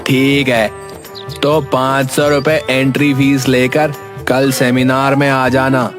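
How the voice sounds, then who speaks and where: A man voicing a boastful, smooth-talking young schemer in a cartoon, with a salesman-like pitch. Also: completely flat delivery, slow pace, music in the background, natural voice. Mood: smug. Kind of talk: cartoon voice acting.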